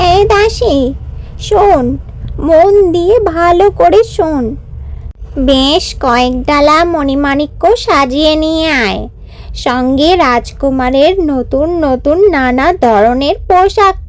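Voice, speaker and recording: A woman's voice: high voice, slow. A woman voicing an anxious, doting queen mother in a cartoon fairy tale, dramatic and emphatic. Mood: commanding.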